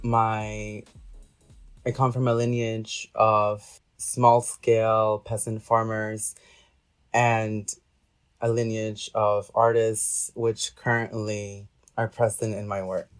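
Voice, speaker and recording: A man's voice: lowish voice, completely flat delivery, slow, smooth, faint music behind. A young adult man from Ecuador, an interview guest talking casually with hesitant, rambling speech and many fillers. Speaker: guest, artist and graduate student.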